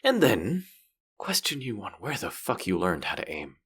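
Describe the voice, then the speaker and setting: A man's voice: on the low side, huge pitch swings, normal speed, fairly bright tone, breathy edge, full character voice. A man playing a cocky, bratty street-rat rogue in a fantasy roleplay audio drama, teasing and foul-mouthed as he talks straight to the listener. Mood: mocking, teasing.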